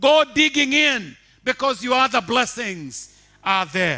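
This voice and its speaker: Over a quiet background, a man uses a raised, projected voice at an extremely high pitch, with a bright, sharp tone and lively intonation. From Kenya. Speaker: pastor. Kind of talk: sermon. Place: church. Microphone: headset.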